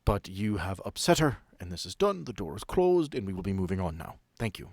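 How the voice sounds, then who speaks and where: A man's voice: low voice, big pitch swings, brisk, gravelly, a little mellow, no echo, full character voice. A man playing a stern, curt female head nurse of a sanatorium in a tabletop horror game, speaking with clipped authority. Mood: curt, haughty.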